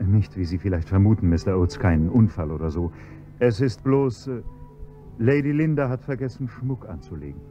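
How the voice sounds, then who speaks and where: A man's voice: on the low side, lively intonation, normal speed, soft background music, close to an everyday voice. A man playing a smug, menacing chauffeur. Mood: servile. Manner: polite and servile, then coolly mocking and menacing. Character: scheming blackmailing male chauffeur, cold and smug. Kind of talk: 1970s-style German radio play acting. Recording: dull, faintly hissy old radio-play recording.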